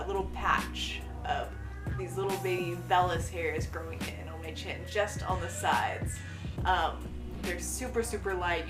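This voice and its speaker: A young trans man vlogging casually to camera, chatty and candid, with many ums and little laughs. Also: high-pitched. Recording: echoey room with faint music.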